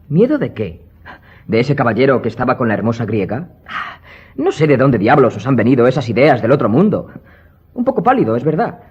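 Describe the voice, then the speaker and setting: A man playing a breezy, amused young gentleman in a radio drama, with a jaunty, teasing manner. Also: medium pitch, big pitch swings, a little fast, husky. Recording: dull recording.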